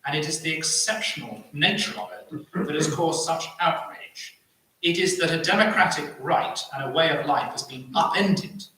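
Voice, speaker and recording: A man speaking as a panelist, arguing a point in halting phrases with repeated words. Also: a little high, sharp tone. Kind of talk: impassioned debate argument. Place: live panel event in an echoey room. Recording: very echoey room, distant microphone.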